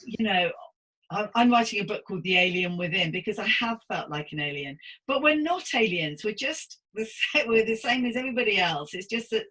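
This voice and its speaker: A woman's voice: medium pitch, animated, a little fast, bright, forceful tone, slightly rough, rough recording. A middle-aged British woman hosting a casual interview podcast, chatting in a rambling, self-deprecating way. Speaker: podcast host.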